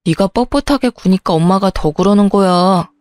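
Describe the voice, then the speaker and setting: A woman's voice: medium pitch, normal speed, a little mellow, no room sound, clean studio sound, lightly acted. A woman voicing a selfish, dismissive young husband in a radio-style story reading, talking curtly and brushing things off. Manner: brushing off, curt.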